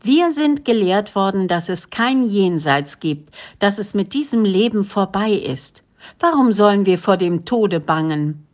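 A woman's voice: medium pitch, lively intonation, a little slow, pitched above the performer's own voice, lightly acted. A woman reading the part of a doubting male villager who reasons in a matter-of-fact way. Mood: reasoning.

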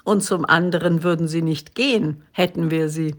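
A woman reading as a gentle, teasing spirit guide, Kushna. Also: deep voice, fairly even intonation, normal speed, natural voice. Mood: gently amused. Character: kindly, humorous ageless male spirit guide. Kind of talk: audiobook reading.

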